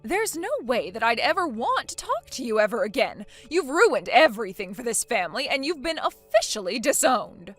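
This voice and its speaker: A woman voicing a loud, bossy mother-in-law. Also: a little high, very animated, normal speed, faint music behind. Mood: angry. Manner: loud, demanding, scolding. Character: bossy, shrill middle-aged mother-in-law. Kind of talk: dramatized story acting.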